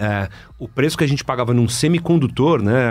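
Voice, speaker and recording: This is a man talking. His pitch varies in an ordinary way. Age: 40s. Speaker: automotive executive. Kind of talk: casual interview.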